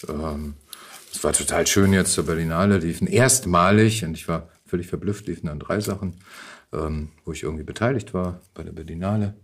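Male, German accent, very low husky voice, conversational interview guest who gropes for phrasing and repeats words. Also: brisk. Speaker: podcast guest, actor and voice actor.

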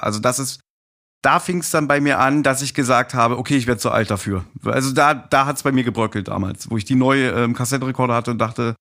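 A man's voice: medium pitch, fairly bright tone. A middle-aged man talking casually and reminiscing as a guest on a podcast.

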